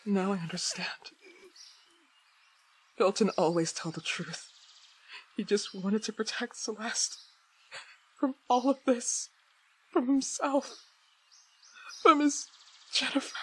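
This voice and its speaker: An actress playing a troubled, defiant woman in a horror game, speaking earnestly and deliberately in dramatic, broken phrases. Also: medium pitch, breathy edge. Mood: somber realization. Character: troubled, defiant woman piecing together buried truths. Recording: faint music behind the voice. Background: faint music.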